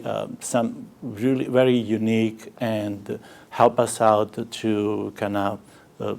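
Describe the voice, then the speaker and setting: A middle-aged man with a Bosnian accent speaks English, his first language being Bosnian. His voice sits fairly low and has a rough, gravelly edge. He talks haltingly and fills his pauses with frequent "uh"s as he recounts his experiences. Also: a little mellow. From Bosnia, Sarajevo. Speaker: interviewee, community organizer. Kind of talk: personal testimony in an interview.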